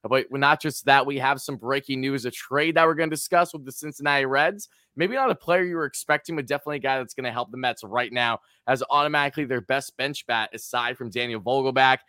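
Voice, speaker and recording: A man with a raspy, hoarse voice co-hosting a sports podcast, chatting casually in an excitable, hyperbolic way. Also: mid-range voice, fast talker, hardly any pauses, no room sound, studio quality. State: hoarse from screaming.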